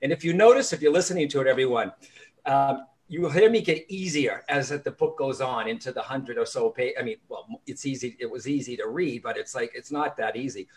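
Speaking briskly in a medium-pitched voice, a psychic medium and author with a Boston accent tells lively stories as an interview guest. His casual talk keeps breaking into restarts and side comments.

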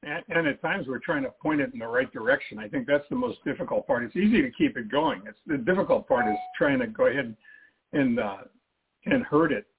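An older man, a guest author on a radio interview, talking in a halting, easygoing way with frequent restarts. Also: medium pitch, lively intonation, noisy background. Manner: halting, repeats himself, easygoing humor. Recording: tinny phone-line audio.

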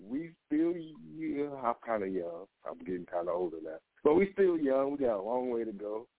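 A man's voice: mid-range voice, very animated, normal speed, no room sound. A man in his thirties hosting a radio show, chatting casually in a laid-back, slangy way. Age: 30s. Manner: laid-back, slangy, lots of "you know". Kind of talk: casual radio interview chat. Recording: dry, phone-like narrow sound.

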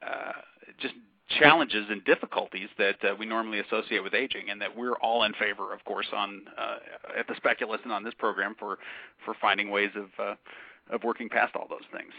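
A man with a fairly low voice talks through science news in a thoughtful, explaining way, often circling back to restart a phrase. His voice sounds dull and lo-fi, with a dry, close, roomless sound. It comes across as a casual podcast chat. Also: steady tone, normal speed, dry recording. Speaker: podcast co-host. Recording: dull lo-fi call audio.

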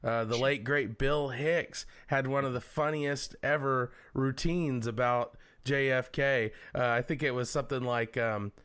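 A man's voice: medium pitch, unhurried, few pauses, clean tone. A man hosting a comedy podcast, chatting casually and telling stories with easy fillers. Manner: storytelling, relaxed, with fillers. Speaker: podcast host. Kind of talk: casual chat.

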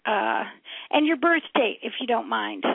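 A middle-aged woman does live psychic readings over a tinny, narrow phone line. Her voice sits fairly high with a gravelly creak, and she talks haltingly, feeling her way through the reading in a familiar way. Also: lively intonation, no echo. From upstate New York, United States. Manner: familiar, calls callers hon and sweetie; halting, thinking aloud as she reads. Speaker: psychic reader on a call-in show. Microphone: telephone.

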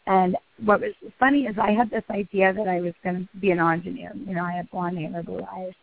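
A woman in her thirties with a husky voice, an actress guest talking casually in a rambling, chatty way with many restarts. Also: on the low side, fairly even intonation, fairly quick. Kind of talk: phone interview. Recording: tinny phone line.

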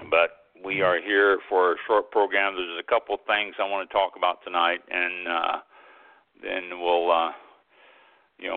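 A man hosting a wine radio talk show, calling in over a landline phone and reading announcements with many halting fillers. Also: low voice. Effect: heard over a landline phone. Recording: tinny landline phone line.

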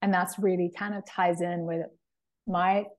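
Enthusiastic woman founder as interview guest; voice a bit croaky, talk full of restarts. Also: lowish voice, little pitch movement, a little slow, darkish tone. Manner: enthusiastic, with frequent restarts and fillers. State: slightly croaky voice. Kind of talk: interview conversation.

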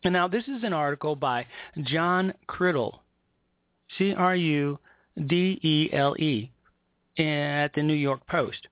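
Casting: American man, political talk host, slightly high-pitched, emphatic and indignant, heard over a tinny phone-quality line. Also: no echo. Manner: emphatic, indignant, deliberate phrasing with repetition. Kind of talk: political commentary with read-out news articles.

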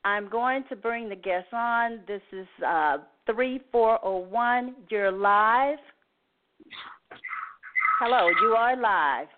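A woman hosts a live call-in show in a deliberate way. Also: fairly high pitch, a little hiss or hum. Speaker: show host. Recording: tinny phone-like line.

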